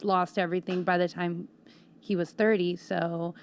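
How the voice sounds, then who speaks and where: A woman guest on a podcast, speaking thoughtfully with small pauses. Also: lowish voice, level tone, clean tone. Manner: soft-spoken, thoughtful, with pauses. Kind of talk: casual podcast chat.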